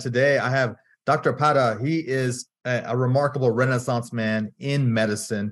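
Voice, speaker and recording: Against a quiet background, a man with a normal speaking voice talks at a medium pitch with fairly even intonation. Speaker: podcast host. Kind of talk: interview, casual professional.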